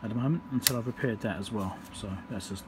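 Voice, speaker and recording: Matter-of-fact man over loud background noise. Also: lowish voice, fast talker. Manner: matter-of-fact, talking through each step while working. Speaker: electronics repairer and video host. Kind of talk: casual hands-on repair demonstration. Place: indoor electronics workbench. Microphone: handheld camera or phone microphone. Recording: loud hiss and background noise, handheld camera.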